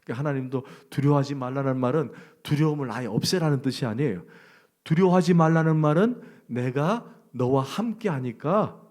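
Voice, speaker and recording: Male pastor, middle-aged, mid-pitched; conversational sermon, loud stresses and soft asides. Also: fairly quick. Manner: conversational preaching, quizzes the congregation with questions; swings between loud emphasis and hushed near-whisper.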